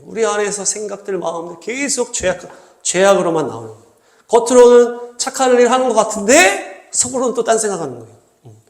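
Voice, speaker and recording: A man's voice: high-pitched, a little mellow, echoey room. A man preaching a sermon as pastor, earnest and at times acting out the voices he quotes. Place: church hall.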